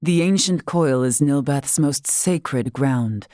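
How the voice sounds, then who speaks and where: Brief: dignified older female tribal chief in a fantasy game. Low register, stately old-fashioned phrasing, dry studio sound. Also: mellow, no room sound. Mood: calm, explanatory. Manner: formal, archaic, measured, stately diction. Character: dignified older woman, wise tribal leader and warrior. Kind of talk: scripted video game voice acting.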